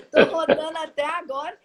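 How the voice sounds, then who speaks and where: A woman's voice: very high voice, voice pushed up, heavily acted, low-quality recording. A woman retelling the story of a humble, flustered man who pleads for help, laughing as she goes.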